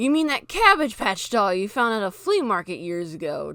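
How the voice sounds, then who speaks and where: Putting on a character voice, a woman speaks at a moderate pace in a fairly high pitch. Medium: read story. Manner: tired, resigned.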